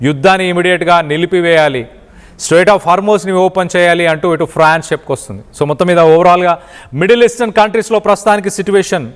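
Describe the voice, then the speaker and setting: A man's voice: high-pitched, clean tone, big-room sound. A man from India presents news analysis emphatically, repeating phrases for stress.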